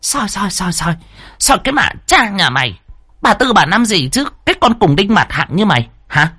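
A man voicing a spiteful young woman with a shrill, sharp-tongued voice, scolding and accusing in a spoken horror story. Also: very animated, normal speed, husky, exaggerated voice. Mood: vicious scolding. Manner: screeching, bullying, accusing.

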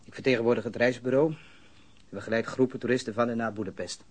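A man's voice: mid-range voice, fairly even intonation, fast talker, natural voice. An actor playing a guarded suspect in his thirties under questioning in a radio drama, terse and faltering. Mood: guarded, flat. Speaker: interrogated suspect.

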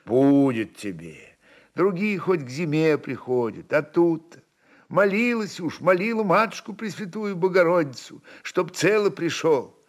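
A man's voice: fairly high pitch, sing-song, unhurried, voice pushed up. A man voicing a devoted Cossack wife in a storybook reading, tearful and lamenting, with folksy, reproachful tenderness. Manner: folksy, lamenting, endearing words. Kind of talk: dramatic literary reading.

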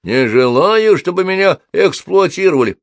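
Narrator putting on a hissing, stubborn fire demon, grumpy and proud, in an audiobook. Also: male voice, high voice, expressive, moderate pace, no echo, voice pushed up. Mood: grumbling. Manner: hissing, grating.

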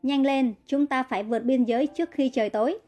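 A woman's voice: high voice, fast talker, mellow, soft background music, lightly acted. A woman reading as a cold, arrogant young prince. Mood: commanding. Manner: cold, commanding.

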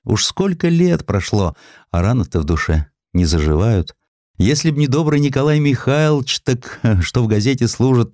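A man's voice: medium pitch, a little mellow, dry recording, clean studio sound, voice pushed up, close to an everyday voice. A man voicing a frail, humble, pious elderly widow with folksy old-fashioned speech in an audiobook.

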